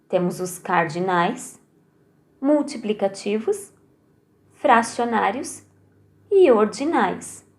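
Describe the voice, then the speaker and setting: A Brazilian woman teaches a recorded lesson to young pupils, taking her time and leaning hard on each word. Her voice sits fairly high and moves up and down with plenty of life. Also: a little mellow. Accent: Brazilian Portuguese. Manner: slow, careful delivery that stresses each word for children.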